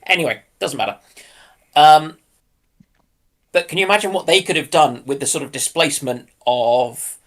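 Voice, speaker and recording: A man on a discussion panel, talking casually about history and thinking aloud in a halting way. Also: fairly high pitch, gravelly, a bit bright. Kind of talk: casual naval history chat.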